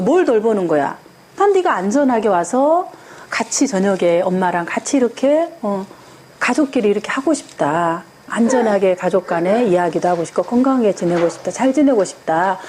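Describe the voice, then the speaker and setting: A parenting education instructor with a medium-pitched voice lectures a room of parents, animatedly posing rhetorical questions to them during the class. A slight hiss or hum runs under the recording.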